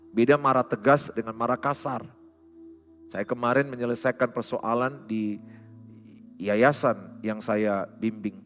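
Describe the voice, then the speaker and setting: A man preaching a sermon as pastor, with a Medan Indonesian accent, swinging from loud rebukes to quiet asides. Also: mid-range voice. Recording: long hall reverb, faint music behind.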